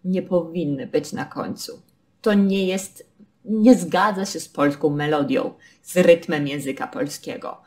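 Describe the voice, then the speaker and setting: A woman's voice: sits low, unhurried, mellow. A woman teaching a language lesson, patiently explaining grammar rules with spoken example sentences.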